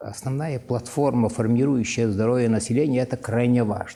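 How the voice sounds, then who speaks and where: Very clean recording, silent background, and a man's voice of dark, mellow tone. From Yakutia, Russia. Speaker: medical scientist, academician. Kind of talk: interview. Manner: halting with fillers.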